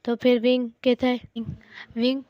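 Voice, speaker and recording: A woman's voice: on the high side, completely flat delivery, a little slow, dry recording, lo-fi sound. A woman casually retelling a fan-fiction story, speaking to the listener with chatty asides.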